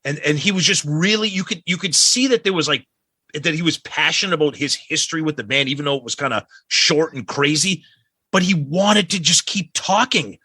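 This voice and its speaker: A man with a Boston accent tells a story on a podcast, stumbling and restarting as he goes. His voice is husky and bright. The recording is dry and close. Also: on the high side, a little fast, no echo. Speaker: podcast co-host. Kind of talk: casual podcast chat.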